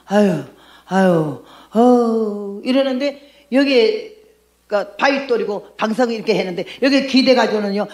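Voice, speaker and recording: An older woman missionary giving a lively testimony sermon, telling her story and acting out her own past words. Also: a little high. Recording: echoey room.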